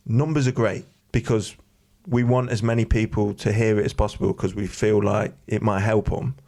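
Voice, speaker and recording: A man's voice: fairly low pitch, fairly even intonation, normal speed, gravelly, mellow. A man co-hosting a podcast in casual chat, talking in an earnest, sincere way. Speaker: podcast co-host.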